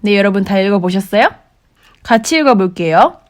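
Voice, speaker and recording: A young woman giving a patient, clear lesson on saying prices in English, slowing down to model each word. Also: medium pitch, animated. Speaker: English teacher for working holiday makers. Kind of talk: explanatory language lesson.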